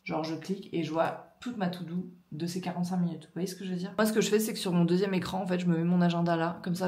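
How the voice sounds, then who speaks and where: A woman's voice: fairly low pitch, a little mellow. A woman vlogging casually to camera, chatty and enthusiastic, filming at home and in the office. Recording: roomy echo.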